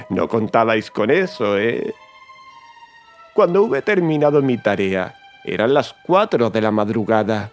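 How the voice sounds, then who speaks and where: An actor playing a nervous, gleeful madman confessing to murder in a theatrical horror audiobook, with erratic swings and drawn-out emphatic words. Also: medium pitch. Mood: gloating, sinister. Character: nervous, gleeful, mad male murderer confessing his crime. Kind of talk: dramatic horror audiobook narration. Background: music.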